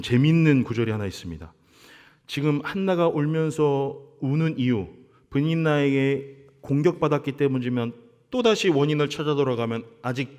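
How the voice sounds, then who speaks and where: A man preaching as pastor at a midweek church service, acting out quotes in a lively way. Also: mid-range voice. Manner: animated preaching with acted-out quotes. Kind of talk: sermon. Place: church sanctuary. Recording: church hall reverb.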